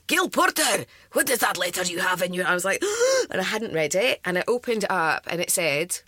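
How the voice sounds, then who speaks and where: A Scottish woman telling stories in a casual chat, acting out voices with big jumps in pitch. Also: animated, fairly quick, pushed and bright, dry recording, clean studio sound. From Scotland. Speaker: guest.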